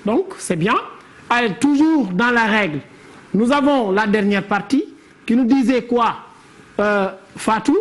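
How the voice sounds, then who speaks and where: Slightly high and a bit slow, a woman's voice leads a classroom lesson on verse. She works through it step by step in a didactic way, questioning pupils by name.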